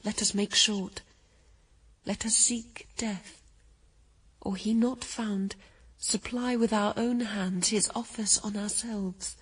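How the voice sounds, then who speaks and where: Eve, slow, despairing, penitent wife. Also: female voice, on the high side, breathy edge, far from the mic, rough recording. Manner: mournful, formal, impassioned. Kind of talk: classical radio drama verse acting.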